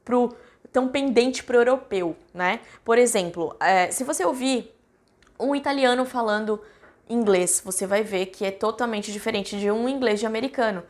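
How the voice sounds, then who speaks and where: A woman's voice: fairly high pitch, moderate pace. A young woman from Brazil, a cruise ship crew member, chatting casually and directly to her viewers with lots of fillers.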